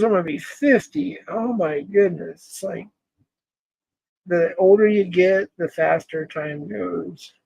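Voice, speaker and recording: A man's voice: sits high, vocal fry, no echo, poor audio. A man in his forties hosting a casual livestream, rambling, laughing often and greeting chat viewers by name. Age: 40s. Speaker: livestream host.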